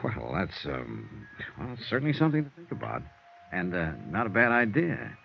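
A man's voice: on the low side, very animated, normal speed, gravelly. An actor playing a tough, wry male insurance investigator in a 1950s radio drama, narrating and talking in a dry, matter-of-fact way. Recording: dull old radio broadcast with faint hiss.

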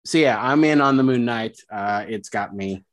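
A man co-hosting a podcast, mid-pitched voice. He chats loosely and rambles through his points, leaning on casual fillers. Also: moderate pace. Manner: relaxed, rambling with "like" and "you know". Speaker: podcast co-host. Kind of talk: casual chat.

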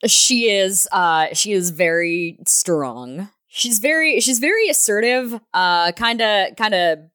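A woman's voice: mid-range voice, lively intonation, slow, few pauses, fairly bright tone, smooth, dry recording, clean studio sound. A woman player joking easily during a tabletop game. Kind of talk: casual banter at a gaming table.

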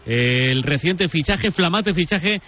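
High-voiced man hosting live sports radio. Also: lively intonation, slow, a bit bright. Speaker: radio sports show host. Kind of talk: live multi-match studio hosting.

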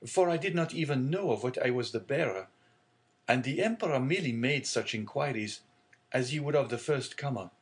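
A man's voice: medium pitch, expressive, brisk, natural voice. A man voicing a polite, earnest young male ship's mate.

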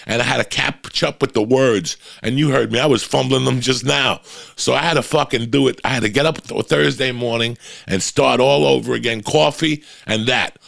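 A man's voice: mid-range voice, fairly even intonation, moderate pace, creaky, a bit bright. A man with a New Jersey accent hosting a podcast, telling a rambling, profane story in casual chat. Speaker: podcast host.

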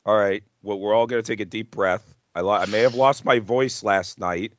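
A man's voice: lowish voice, fairly even intonation, moderate pace, no room sound, dull audio. A man hosting a casual wrestling chat podcast, talking in a jokey, hyperbolic way with some swearing. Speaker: podcast host.

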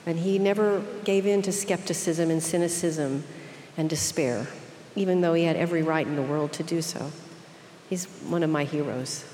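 A woman from Oklahoma with an Okie accent, speaking earnestly and deliberately as a guest in a reflective interview. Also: low-pitched, warm tone. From Oklahoma, United States. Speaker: interview guest, seminary leader. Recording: echoey hall, clear background noise.

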